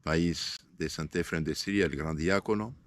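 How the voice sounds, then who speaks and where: A bass-voiced man in his fifties, born in northern Syria with Aramaic as his first language, answers interview questions as a priest. His delivery is measured and halting, with frequent "eh" fillers, pauses, and restarts.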